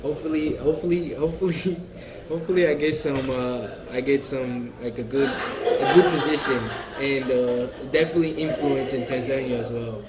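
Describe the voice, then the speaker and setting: A young man speaking from a busy cafe, with chatter around him and a roomy echo on his voice. He answers at an easy pace, relaxed, stopping often to fill gaps and repeat himself. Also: medium pitch, normal speed. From United States. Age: young adult. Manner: relaxed, hesitant with many fillers and repeats. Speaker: interviewee, university student. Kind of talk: casual interview answers.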